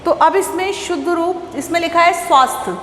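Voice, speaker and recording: Lady teacher going over a lesson with kids, fairly high voice, repeats stuff and answers her own questions, echoey room with a long ring and faint hum behind. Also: brisk, fairly bright tone. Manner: explains patiently, repeats words and asks then answers her own questions. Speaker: school Hindi teacher. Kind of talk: classroom lesson to children.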